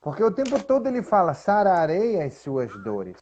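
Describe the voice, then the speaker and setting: Man, mellow voice, lo-fi sound. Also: high-pitched. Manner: animated, reads scripture aloud slowly with emphasis. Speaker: co-host. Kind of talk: casual Bible discussion. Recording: dull lo-fi sound.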